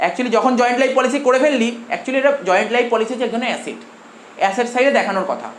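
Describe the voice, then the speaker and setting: A man's voice: very high-pitched, expressive, rapid-fire. A man with a Bengali accent teaches a commerce class at breakneck speed, repeating points and firing questions at his students. His voice rings around an echoey room, with a faint hiss of noise behind it. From India. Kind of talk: classroom lecture.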